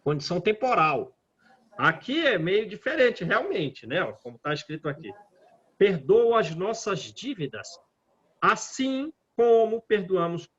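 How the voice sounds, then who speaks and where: A man with a Brazilian Portuguese accent who leads a Spiritist study group. He reads scripture aloud slowly and comments on it reflectively. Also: sits high, very animated, a bit bright, breathy edge. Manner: slow and reflective, rereads passages aloud, asks "né?". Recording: dull lo-fi audio.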